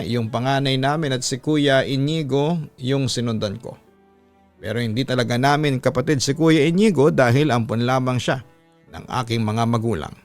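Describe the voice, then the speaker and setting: A man's voice: mid-range voice, dry recording. Guy reading out a listener's life story like a host, dry sound, bit of music under it. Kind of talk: dramatic scripted narration of a letter.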